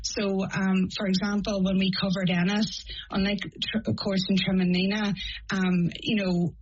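A woman with a Northern Irish accent, a journalist answering interview questions and often pausing and restarting as she sets out court figures. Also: mid-range voice, little pitch movement, breathy edge, highs cut off. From Northern Ireland. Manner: hesitant, many pauses and restarts while reporting figures. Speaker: court reporter, journalist guest.

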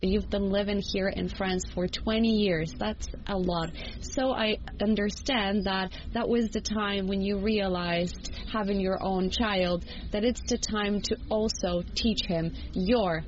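A woman interviewer speaks in a conversational way, summing up points before each question. Her voice sits at a middle pitch. The recording is slightly dull, with a faint hum of ambience. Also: steady tone, a little slow, few pauses. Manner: conversational, summarizing.

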